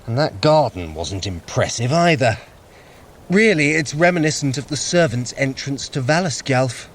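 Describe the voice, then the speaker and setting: A man's voice: mid-range voice, expressive, a little hiss or hum, close to an everyday voice. An actor playing a sly, sardonic male trickster god in an audio drama. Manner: sardonic, teasing, quick-tongued.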